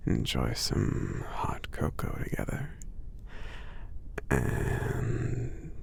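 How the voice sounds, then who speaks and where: A man playing a gentle, friendly giant in a soft-spoken ASMR roleplay, shy, polite and hesitant, with a breathy, husky murmur. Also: lowish voice, exaggerated voice. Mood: affectionate, cozy. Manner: hesitant, murmuring, halting with many soft pauses.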